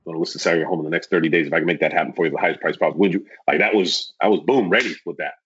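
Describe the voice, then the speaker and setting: A man, a real estate agent, talking casually in an interview, acting out clients and his old sales pitch and stumbling over repeated words. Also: very fast, slight background noise. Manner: animated storyteller, acts out clients and his old sales pitch, laughs often; repeats words when starting. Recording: dull lo-fi sound.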